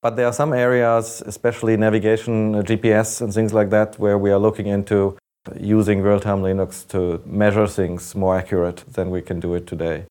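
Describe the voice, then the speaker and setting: Man, German accent, fairly low pitch, explanatory interview talk, guest manager. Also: flat delivery, fairly quick, warm tone.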